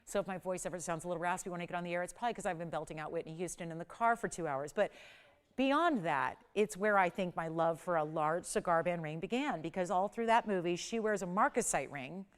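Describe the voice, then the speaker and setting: A woman in her forties hosts a live TV jewelry shopping show, talking fast in an enthusiastic, emphatic sales pitch that keeps returning to the same selling points.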